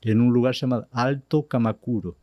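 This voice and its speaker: A man's voice: mid-range voice, fairly even intonation, brisk, dry recording, highs cut off. A man from Argentina with an Argentine Spanish accent, a native Spanish speaker, speaking as a missionary guest in a podcast interview and recounting events earnestly while slipping Spanish words into his Portuguese. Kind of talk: casual storytelling in a podcast interview.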